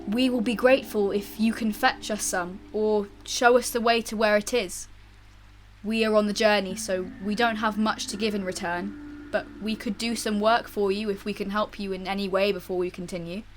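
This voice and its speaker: A woman voicing a tribal woman leader in an audiobook story, speaking slowly and formally. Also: medium pitch, fairly even intonation, a little hiss or hum, close to an everyday voice. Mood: polite, measured. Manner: slow and formal. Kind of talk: audiobook character voice.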